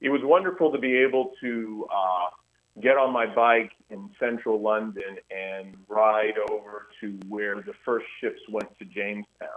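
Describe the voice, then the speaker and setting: Middle-aged male guest on a tinny phone line, low voice, earnest, halting. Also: steady tone. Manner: earnest, halting with many restarts. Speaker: guest historian. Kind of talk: radio interview by phone.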